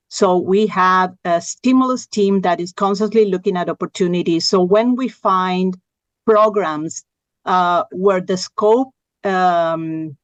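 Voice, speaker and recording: A woman from infrastructure services adding information at a committee meeting, deliberate, with fillers and self-corrections. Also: fairly low pitch, no echo. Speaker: infrastructure services staff member. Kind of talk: answering questions at a committee meeting.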